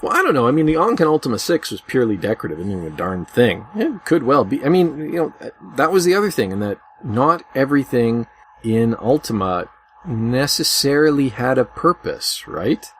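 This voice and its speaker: A man's voice: medium pitch, sing-song, fairly quick. A man hosting a casual panel discussion, thinking aloud in a hesitant way. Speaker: podcast host. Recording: noisy lo-fi amateur podcast audio.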